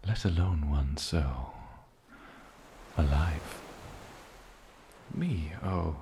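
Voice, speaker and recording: An eccentric, age-old island demon, acted by a man speaks in an extremely deep, gravelly murmur. He takes his time, musing and coaxing with old-fashioned politeness. It is a soft-spoken fantasy ASMR roleplay with faint ambient noise behind the voice. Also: drawn-out words, exaggerated voice. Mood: musing, curious. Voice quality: soft, breathy low voice with gravelly creak. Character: eccentric, lonely, ancient male island demon.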